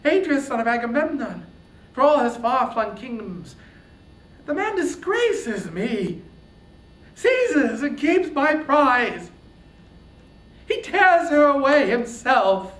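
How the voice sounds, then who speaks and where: A man acts out a proud warrior hero of ancient epic, raging and anguished. The voice is high and declamatory, drawing words out slowly. The room rings around it. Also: sing-song, a bit bright, exaggerated voice. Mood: anguished, pleading. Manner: declamatory, impassioned, drawn-out words. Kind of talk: dramatic epic poetry reading. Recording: roomy echo, faint rumbling noise.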